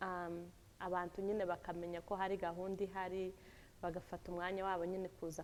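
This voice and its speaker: A woman's medium-pitched voice holds a monotone, flat intonation. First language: Kinyarwanda or Kirundi. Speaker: live stream host. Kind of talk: casual interview. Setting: live stream.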